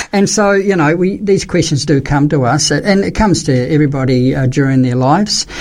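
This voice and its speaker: Over noticeable background noise, a man with an Australian accent talks at a fairly quick pace with hardly any pauses, a fairly high pitch, lively intonation and very even loudness. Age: 60s. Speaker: retired pastor. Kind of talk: religious radio talk show.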